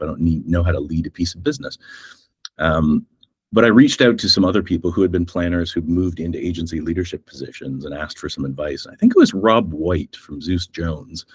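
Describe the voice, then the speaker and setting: A middle-aged man from Canada with a North American accent, speaking as an agency executive in a thoughtful interview, measured with frequent ums. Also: deep voice, breathy edge, no room sound, clean studio sound. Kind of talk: reflective interview talk.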